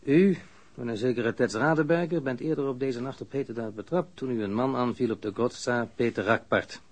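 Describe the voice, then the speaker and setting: An actor playing a composed, authoritative police investigator in a radio drama, speaking formally and insistently. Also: male voice, medium pitch, normal speed, slightly rough, close to an everyday voice. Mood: formal, probing. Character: stern, composed male police investigator, probing and dryly authoritative. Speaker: police interrogator. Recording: noisy archived radio drama recording.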